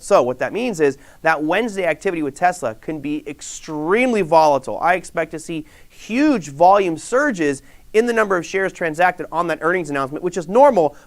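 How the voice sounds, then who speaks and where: A host giving a weekly market news briefing in a playful, animated way, with jokes and sound effects between the facts. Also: mid-range voice.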